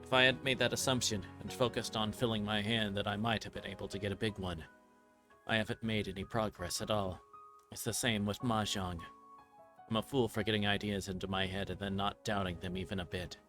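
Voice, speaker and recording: Man reading as a rueful aging police detective, low. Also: steady tone, fairly quick, a bit bright, lightly acted. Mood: regretful. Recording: music playing behind the voice.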